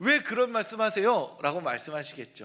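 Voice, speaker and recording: A raised, projected voice carries an animated tone and lively intonation at a moderate pace. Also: man. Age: 40s. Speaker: pastor. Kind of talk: sermon. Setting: church.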